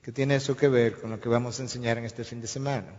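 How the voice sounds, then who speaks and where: A man's voice: mid-range voice, steady tone, fast, a little mellow. Preaching man in an echoing hall. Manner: storytelling preacher, acts out dialogue. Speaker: pastor. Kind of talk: sermon. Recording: long hall reverb, dull lo-fi sound.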